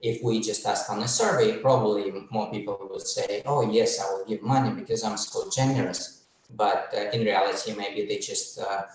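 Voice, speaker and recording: Russian-born male academic, lowish voice, measured delivery with frequent pauses, echoey room, set back from the mic. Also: fairly even intonation, recorded from a distance. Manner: measured, many filler pauses. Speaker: webinar speaker on tourism research. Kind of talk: academic presentation.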